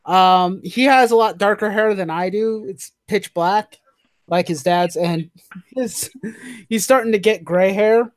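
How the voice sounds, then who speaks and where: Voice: mid-range voice, measured pace, dry recording. A streamer hosting a casual chat, telling anecdotes and laughing often. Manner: chatty storytelling, laughs often. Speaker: streamer host.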